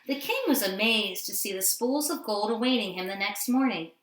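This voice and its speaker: A woman reading a fairy tale aloud to children in an expressive storytelling style. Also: mid-range voice, normal speed. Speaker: storybook reader. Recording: roomy indoor echo.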